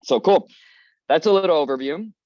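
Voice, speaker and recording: A man's voice: on the high side, expressive, normal speed, a little mellow, dry recording. A man in his twenties from Colombia, a startup founder giving a casual, upbeat talk on a community video call, full of fillers and restarts. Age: 20s. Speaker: guest speaker, startup founder. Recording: dry, slightly dull call audio.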